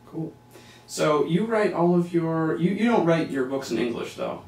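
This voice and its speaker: A man hosting an interview, asking casual questions in an informal, somewhat halting way. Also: fairly high pitch, lively intonation, darkish tone. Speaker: interviewer, show host. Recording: echoey, slightly noisy room, distant mic.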